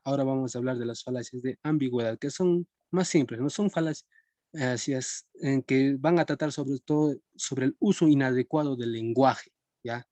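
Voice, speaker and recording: A young man teaches a philosophy class over a live stream, and he keeps checking in with his students as he goes. His voice is mellow and relaxed, at a middle pitch. The sound is dry and close, with almost no room echo. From Peru. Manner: conversational, checks in with students often.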